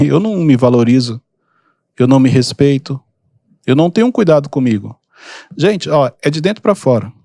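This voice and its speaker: A calm man hosting a podcast, giving relaxed advice with lots of everyday examples. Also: fairly high pitch, creaky, no room sound, studio quality. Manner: calm, unhurried, gives examples. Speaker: podcast host and mentor. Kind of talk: casual advice talk.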